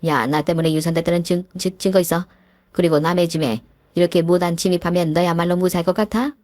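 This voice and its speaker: A woman's voice: lowish voice, steady tone, fast, a little mellow, dry recording, clean studio sound, voice pushed up, natural voice. A woman voicing a spiteful, bullying middle-aged mother-in-law who sneers and stammers when cornered, in a scripted storytelling reading. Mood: defensive.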